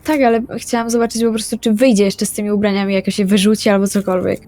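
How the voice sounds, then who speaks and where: A woman's voice: medium pitch, little pitch movement, fast, warm tone, soft background music, natural voice. A woman playing an anxious, literal-minded young female vampire in an improvised tabletop roleplay, speaking plainly and hesitantly.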